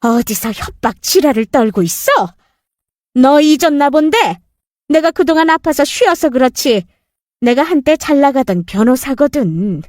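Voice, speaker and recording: A woman's voice: high voice, lively intonation, normal speed, darkish tone, dry recording, studio quality, voice pushed up. A woman voicing a stern mother-in-law in her sixties, a former lawyer, who scolds and threatens in a cutting tone. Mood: stern threatening.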